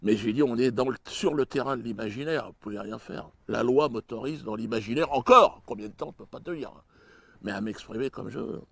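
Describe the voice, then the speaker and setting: Male stand-up comic, crude and mocking, mid-pitched voice, dry close sound. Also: fairly quick, gravelly, dry recording. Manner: crude, mocking, with sudden jumps in pitch and loudness. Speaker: stand-up comedian. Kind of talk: stand-up comedy routine.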